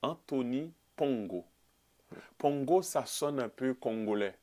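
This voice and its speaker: Theatrical talk show host. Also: male voice, medium pitch, expressive, slow, mellow. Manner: theatrical, addresses the audience directly. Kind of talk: studio talk show interview.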